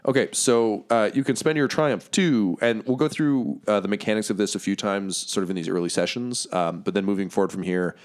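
A man running a tabletop role-playing game, explaining rules in a relaxed way, with many fillers. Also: lowish voice, brisk, hardly any pauses. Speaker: game master.

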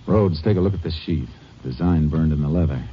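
Deep-voiced, terse Texas Ranger. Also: male voice, a little fast, slight background noise. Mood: focused, businesslike. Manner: terse, matter-of-fact questioning. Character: steady, shrewd Texas Ranger investigator and narrator. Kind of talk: 1950s radio western acting. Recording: muffled old-time radio recording with music.

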